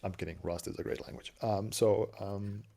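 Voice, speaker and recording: A man's voice: on the low side, steady tone, moderate pace, vocal fry, warm tone. A man with a Serbian accent, a native Serbian speaker, co-hosting a casual tech stream. He chats loosely, laughs often, and repeats words while he hunts for the right one.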